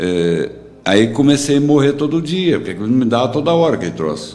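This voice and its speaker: A man talks at a moderate pace, his pitch swinging very widely. Audible echo fills the room. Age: 70s. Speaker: businessman and podcast creator. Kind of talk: interview.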